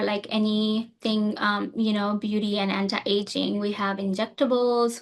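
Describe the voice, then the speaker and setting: Woman, from Nepal, thirties, fairly high pitch, hesitant, casual interview guest. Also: a bit bright. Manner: hesitant, many fillers and restarts. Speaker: nurse practitioner, guest.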